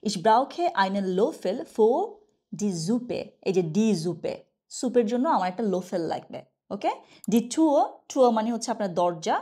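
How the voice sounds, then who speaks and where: A woman giving a casual online German lesson. She chats freely, keeps asking "okay?", and says her example sentences slowly and carefully. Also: on the high side, animated, mellow. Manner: chatty, asks "okay?" often, slow careful example sentences. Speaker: German teacher.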